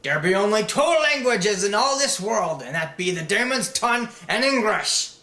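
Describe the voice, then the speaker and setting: Storybook brute guard, swamp drawl, bright shouting, played by a man. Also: sits high, animated, moderate pace, roomy sound, voice pushed up. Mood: angry. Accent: thick backwoods swamp drawl. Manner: shouting, rough grammar. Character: husky, wild, unwashed male dungeon guard.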